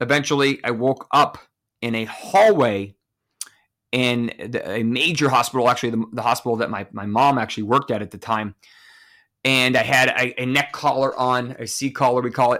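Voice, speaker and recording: A man talks in a normal speaking voice with an American accent, medium pitch, fairly even intonation and a moderate pace. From central Massachusetts, Worcester. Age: 30s. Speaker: physician podcast host. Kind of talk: solo podcast monologue. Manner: frequent repetitions and fillers.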